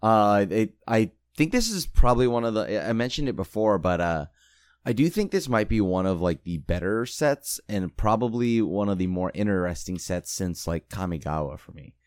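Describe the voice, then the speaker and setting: A hoarse man co-hosting a casual podcast, halting and repeating words as he thinks aloud. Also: on the low side, expressive, darkish tone, no echo, clean studio sound. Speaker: podcast co-host.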